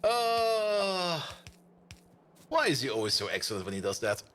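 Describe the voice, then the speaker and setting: A man live-streaming a game and chatting casually with viewers, rambling excitably and repeating his words. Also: fairly low pitch, very fast, breathy edge. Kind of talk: casual chat with viewers while gaming.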